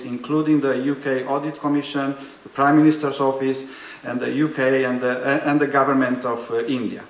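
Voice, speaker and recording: Romanian-born man moderating in an echoey hall. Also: medium pitch. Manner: measured, hesitant with frequent fillers, dry humor. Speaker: panel moderator; higher education policy researcher. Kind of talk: academic panel introduction. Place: conference hall.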